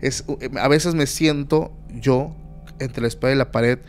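A man's voice: mid-range voice, measured pace, soft background music. A man with a Mexican accent, a podcast guest telling an eerie story in a casual, emphatic way with many fillers.

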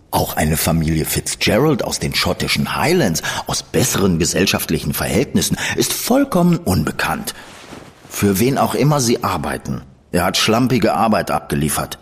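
An actor playing a shrewd, menacing gentleman schemer who speaks in a smooth, ironic and condescending manner. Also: deep voice, heavily acted. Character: shrewd, cool male gentleman spymaster, coldly menacing. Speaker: gentleman in an audio drama. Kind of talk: studio audio drama acting.

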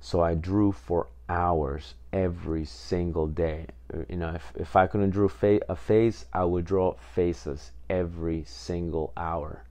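A man's voice: low voice, fairly even intonation, slow pace, hardly any pauses, dark tone. A man in his twenties from Peru, hosting a podcast and telling his own story in a casual, rambling way with many fillers. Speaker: podcast host.

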